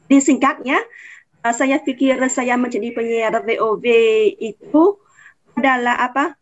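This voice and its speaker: High-voiced Vietnamese woman, halting non-native speaker. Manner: foreigner speaking Indonesian, halting with word searches. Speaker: radio announcer interviewee. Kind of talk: casual interview answers. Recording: dull, lo-fi audio.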